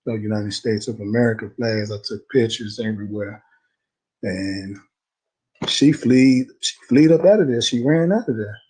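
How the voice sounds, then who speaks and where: A man in an interview, retelling a court visit in a rambling, animated way, quoting what people said. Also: on the low side, normal speed, breathy edge, poor audio. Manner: rambling, animated retelling with slang and quoted dialogue. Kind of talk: casual storytelling.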